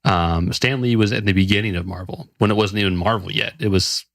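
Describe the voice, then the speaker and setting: A man's voice: on the low side, steady tone, fairly quick, creaky, no echo, studio quality. A man co-hosting a podcast in casual chat, talking loosely with swearing and frequent restarts. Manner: loose, profane, rambling with restarts. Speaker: podcast co-host.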